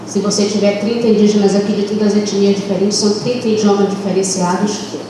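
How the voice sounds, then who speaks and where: A woman's voice: medium pitch, level tone. Earnest woman in an echoey hall. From Brazilian Amazon, Baré people. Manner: earnest, halting, fillers, speeds up when stirred. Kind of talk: impassioned panel talk. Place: lecture room. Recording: echoey hall from far off, noisy.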